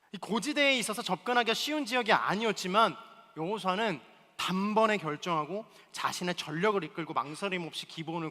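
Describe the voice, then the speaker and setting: A male pastor preaching a sermon, moving between loud emphatic pleas and soft hushed asides. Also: high voice, big-room sound. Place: church hall.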